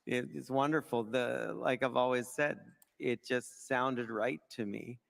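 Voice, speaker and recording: A man on a live panel, answering in a relaxed, wry, rambling way. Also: mid-range voice, measured pace, vocal fry. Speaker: panelist, director. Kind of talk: casual panel chat.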